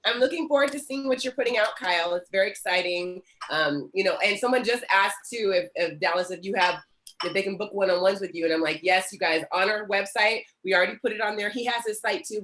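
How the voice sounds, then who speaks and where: Animated woman hosting a video call. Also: mid-range voice, fast talker. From Oregon, USA. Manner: animated, encouraging, gestures a lot. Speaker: host and prophetess. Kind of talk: video call workshop talk. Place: home room with patterned curtains. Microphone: laptop mic on video call.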